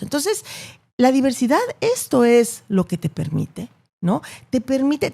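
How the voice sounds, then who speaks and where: Her voice is a little high, creaky and warm. A journalist being interviewed, she speaks with a Latin American Spanish accent and explains her views articulately, stacking repetitions and rhetorical tags for emphasis.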